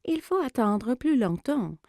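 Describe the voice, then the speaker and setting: A woman voicing a patient, gentle, reassuring young mother in a French children's cartoon dub. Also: fairly high pitch, sing-song, unhurried. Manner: soothing, encouraging.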